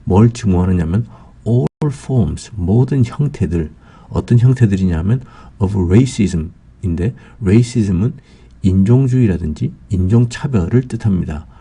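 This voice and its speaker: A man teaching English vocabulary in a slow, patient lecture, Korean his first language, pausing often with fillers. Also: lowish voice, vocal fry, warm tone, husky.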